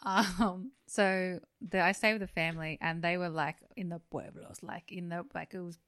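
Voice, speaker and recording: A chatty Australian woman talks casually as a podcast guest, voice sitting a little low for a woman. She rambles with plenty of fillers and laughs. The sound is close and dry. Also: fairly even intonation, normal speed, a bit bright, dry recording. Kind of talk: casual interview chat.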